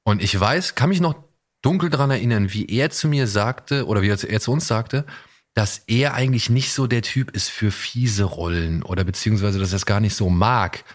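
A man's voice: lowish voice, normal speed. A man co-hosting a podcast, asking questions in a casual interview chat. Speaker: podcast co-host.

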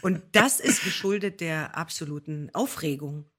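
A woman's voice: low-pitched, moderate pace, fairly bright tone, breathy edge. A woman chatting informally on a podcast, reminiscing in a self-deprecating, casual way. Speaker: podcast guest, voice actress.

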